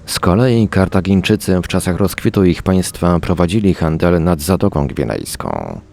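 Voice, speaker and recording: A male narrator with a low voice reads prepared text for a radio audiobook. His delivery is formal and measured, in the manner of a storyteller presenting written accounts. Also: expressive, creaky, darkish tone. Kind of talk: scripted narration, audiobook reading.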